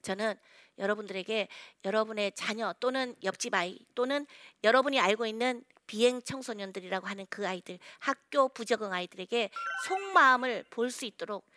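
Woman counselor, public talk, bright forceful tone, fairly high voice, earnest, loud then hushed. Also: fairly quick, dry recording, studio quality, soft background music. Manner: earnest, swings from loud exhortation to hushed storytelling.

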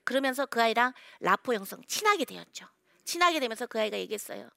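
Woman counselor speaking to parents: crisp, tense brightness, close dry sound, earnest delivery. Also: fairly high pitch, big pitch swings, quick pace, dry recording. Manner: earnest, swings from loud exhortation to hushed storytelling. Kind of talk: public talk to parents.

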